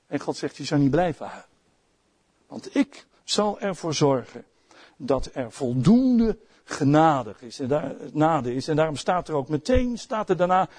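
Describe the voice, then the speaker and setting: A middle-aged man with a Dutch accent preaching a sermon as pastor, swinging between soft asides and loud outbursts. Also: fairly high pitch, sing-song, measured pace, breathy edge.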